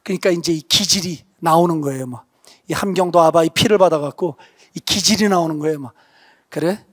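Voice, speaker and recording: A man, a pastor, preaching an earnest revival sermon and telling his own testimony with emphasis, dropping to a hush for stress. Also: a little high, fast talker, no room sound, clean studio sound. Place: church revival meeting.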